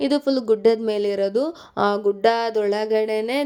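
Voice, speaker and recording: A woman with a fairly high pitch and a dark, mellow tone speaks with fairly even intonation. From Karnataka, Bhadravati taluk near Shivamogga. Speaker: vlogger. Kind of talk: casual vlog narration.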